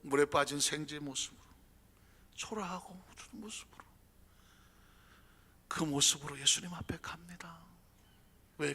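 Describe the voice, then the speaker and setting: High-pitched, gravelly preaching pastor. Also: male voice. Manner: dramatic, swings from shouting to whispering, acts out quoted speech. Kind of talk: sermon. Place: church sanctuary. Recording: church hall with long reverb.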